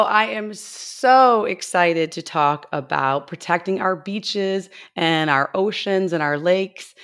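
A woman's voice: lowish voice, fairly bright tone. A woman hosting a podcast interview, chatting eagerly and gushing about the guest's work. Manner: enthusiastic, gushing, with restarts. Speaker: podcast host.

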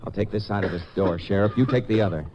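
A man playing a steady, commanding Texas Ranger in a 1950s radio western, giving firm clipped orders, on a dull, crackly recording. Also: lowish voice, fast talker, natural voice. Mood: firm, calm.

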